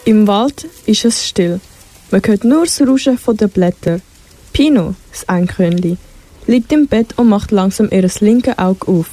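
A woman's voice: medium pitch, measured pace, mellow. A teenage girl narrating a school radio play, reading the story steadily. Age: teens.

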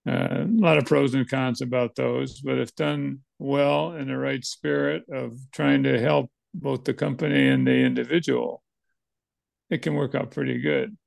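A man with a very gravelly, creaky voice giving practical management advice in a calm, easygoing way. The sound is close and dry. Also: medium pitch, unhurried, no echo. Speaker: business podcast co-host. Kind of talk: conversational business advice.

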